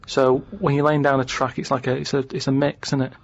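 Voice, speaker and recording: A man's voice: mid-range voice, completely flat delivery, a little fast, gravelly, dry recording, highs cut off. A man with a Manchester accent setting quiz clues on a radio show, rambling and hesitant, often repeating himself. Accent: English, Manchester. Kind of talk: casual radio banter. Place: radio studio.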